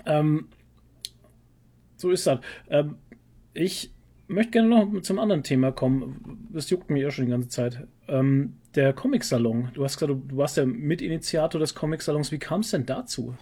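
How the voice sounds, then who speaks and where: A man's voice: on the high side, normal speed, mellow, slightly rough. A man interviewing a guest in a casual, conversational podcast style.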